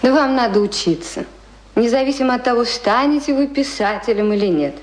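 An actress in a radio play playing a refined, educated young lady who reasons and gently corrects. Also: fairly high pitch, lively intonation, a little fast, lightly acted. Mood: reasoning, instructive. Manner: genteel, reasoning, mildly reproving.

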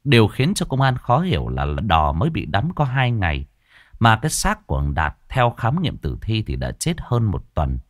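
Guy narrating a spooky story, lowish voice, very dramatic, dry sound. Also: wildly swooping pitch, moderate pace, dry recording. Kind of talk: scripted horror narration.

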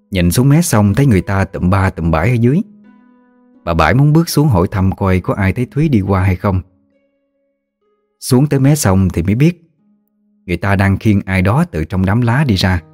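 Deep-voiced man telling a ghost story. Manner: steady, somber storytelling.

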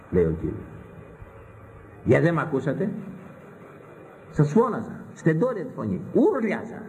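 A man's voice: medium pitch, slight background noise, low-quality recording. A man preaching a sermon on scripture, stern and impassioned, firing off rhetorical questions at his listeners.

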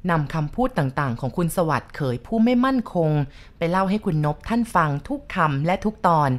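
A woman's voice: lowish voice, very animated, fairly quick. Woman reading a story aloud. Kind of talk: read-aloud story narration.

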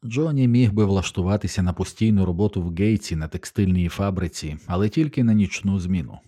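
A male audiobook narrator reads at a steady, measured pace. His voice sits low, with a dark, mellow tone. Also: husky. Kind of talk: scripted narration.

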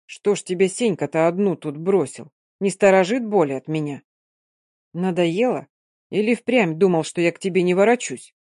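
Woman voicing a hoarse, gruff Gypsy man. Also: normal speed, a little mellow, no echo, studio quality, lightly acted. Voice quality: low, hoarse. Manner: gruff, curt. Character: grim hoarse-voiced male Gypsy rogue.

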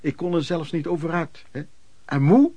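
An actor playing a hardworking itinerant peddler, looking back on his life in colloquial, reflective radio drama narration with a husky voice. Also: on the high side, expressive, normal speed, dark tone, slight background noise. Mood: proud, content.

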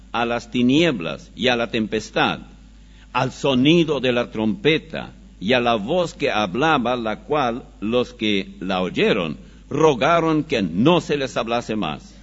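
Male preacher teaching a Bible study, unhurried and emphatic, dull lo-fi sound. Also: mid-range voice. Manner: slow, emphatic scripture reading with animated rises. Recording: dull lo-fi recording.

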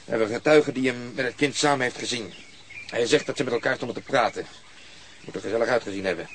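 A man's voice: medium pitch, quick pace, fairly bright tone, a little hiss or hum, close to an everyday voice. An actor in a Dutch radio drama playing a blunt, sardonic male police detective with a dry, sarcastic delivery.

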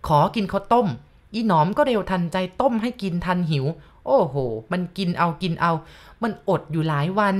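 A woman's voice: medium pitch, animated, normal speed, natural voice. A woman reading out an easygoing, blunt old village grandfather who laughs readily. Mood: offhand.

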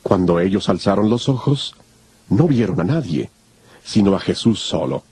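A man narrating scripture from a script in a solemn, measured manner. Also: deep voice, very animated, dark tone, breathy edge, dry recording.

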